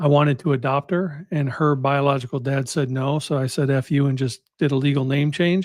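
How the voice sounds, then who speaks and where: A man with an American accent speaks in an unremarkable speaking voice, pitched fairly high for a man. His intonation stays fairly even and his loudness very even. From US Midwest, Minneapolis and Iowa. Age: 60s. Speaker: guest sharing life story. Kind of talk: testimony.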